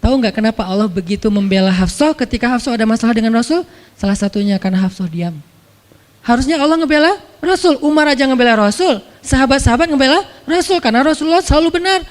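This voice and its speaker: Very high-voiced male preacher. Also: fast. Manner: animated, acts out quoted voices. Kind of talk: casual storytelling sermon. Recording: long hall reverb.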